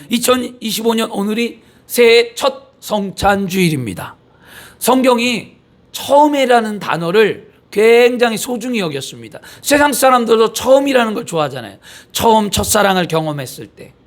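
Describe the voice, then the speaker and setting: High-voiced pastor preaching with a cold. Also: male voice, a bit bright. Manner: conversational preaching, rhetorical questions, tells family anecdotes. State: has a cold. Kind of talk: sermon. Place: church sanctuary.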